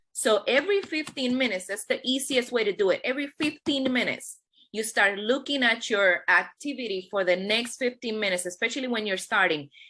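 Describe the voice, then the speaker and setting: A woman speaks with a Spanish accent in a bright, sharp tone. Her intonation is lively, her pace fairly quick, with hardly any pauses. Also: fairly high pitch for a woman. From Puerto Rico. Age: 40s. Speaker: life insurance agent and trainer. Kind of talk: training presentation.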